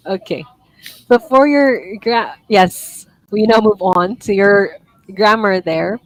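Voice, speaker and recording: A woman teaching an online one-on-one IELTS lesson, giving gentle corrections and apologizing for her own slips. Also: medium pitch, slow, no room sound, rough recording.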